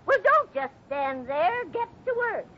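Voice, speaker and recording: A woman's voice: very animated, measured pace, fairly bright tone, lo-fi sound, exaggerated voice. A woman playing a tiny, scolding, exasperated old lady in a 1950s radio drama. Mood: bossy, scolding. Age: older. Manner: scolding, bossy, old-fashioned exclamations. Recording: noisy, rumbling 1950s radio recording.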